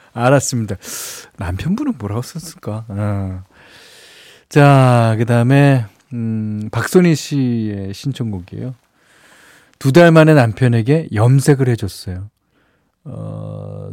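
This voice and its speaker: A mid-range, darkish voice belongs to a middle-aged man hosting a radio program. He goes through listener messages casually, chuckling a lot and dropping plenty of fillers, and the studio microphone produces a dry recording.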